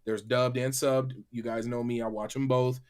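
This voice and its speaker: A man with a mid-pitched voice talks casually as a gaming show panelist. He speaks in informal slang, often stopping and restarting his sentences as he shares recommendations. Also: flat delivery, normal speed, a little mellow, smooth.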